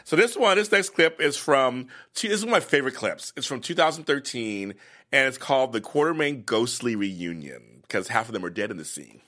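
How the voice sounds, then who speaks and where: A man in his late forties hosting a casual chat about a soap opera, chatty and quick to laugh. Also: medium pitch. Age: late 40s. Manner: chatty, laughs often, animated. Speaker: host.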